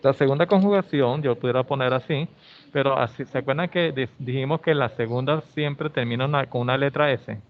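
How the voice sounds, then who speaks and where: A man's voice: medium pitch, a little fast. A male English teacher, explaining grammar in an online class and often checking in with "ok?". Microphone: video call. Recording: slightly dull video-call audio.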